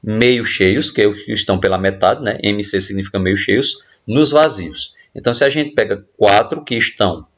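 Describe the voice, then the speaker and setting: A man's voice: fairly low pitch, moderate pace, hardly any pauses, fairly bright tone. A man with a Brazilian Portuguese accent, a teacher walking students through riddles patiently, often checking they follow along. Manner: patient, explanatory, frequent tag questions. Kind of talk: recorded lesson explaining riddles. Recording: dull lo-fi audio.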